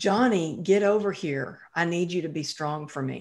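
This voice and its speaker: This woman has a Texan accent. Her pitch is fairly low, with ordinary variation. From Texas, small town. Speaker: motivational speaker and author. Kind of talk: personal storytelling interview. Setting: video call.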